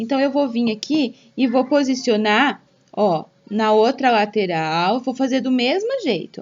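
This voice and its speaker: A woman is shouting, loud and high in pitch. She goes at a fairly slow pace. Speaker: craft teacher. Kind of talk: tutorial. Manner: loud, shouting over noise.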